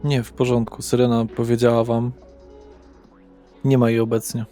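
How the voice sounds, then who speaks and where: A man's voice: medium pitch, little pitch movement, normal speed, dark tone, soft background music, close to an everyday voice. A man voicing a weary, obliging hospital attendant with a brief, matter-of-fact manner in a roleplaying game.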